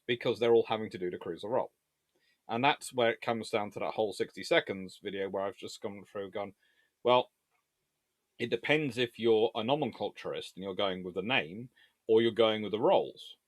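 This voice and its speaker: A naval history video host with a lowish voice answers viewer questions in an informal history explainer, captured in a dry recording. He works through debates emphatically and discursively.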